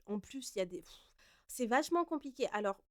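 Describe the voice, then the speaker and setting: A young woman from France talks through listener questions on her podcast. Her voice sits a little high and sounds smooth and clear. She speaks in a loose, chatty way, often hesitating and correcting herself mid-sentence. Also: lively intonation, fairly quick. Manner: chatty, hesitant, many fillers and self-corrections. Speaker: podcast host. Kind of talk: casual solo Q&A podcast.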